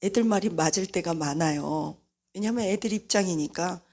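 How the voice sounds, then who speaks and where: A middle-aged woman preacher giving a lively sermon-style talk about parents and children, acting out family voices along the way. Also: on the low side, moderate pace. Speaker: mission leader and preacher.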